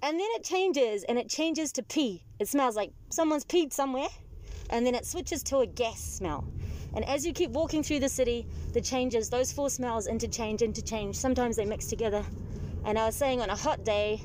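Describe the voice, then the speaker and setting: A young woman from New Zealand with a Kiwi accent, chatting as a passenger and telling stories with lively asides. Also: fairly high pitch, normal speed, slight background noise. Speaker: taxi rider guest. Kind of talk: casual chat. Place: in a moving car.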